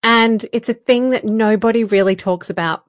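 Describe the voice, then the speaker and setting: A woman co-hosting a podcast, talking candidly with a croaky voice, laughing often and using many fillers. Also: on the high side, normal speed, dry recording, clean studio sound. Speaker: podcast co-host. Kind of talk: casual podcast chat.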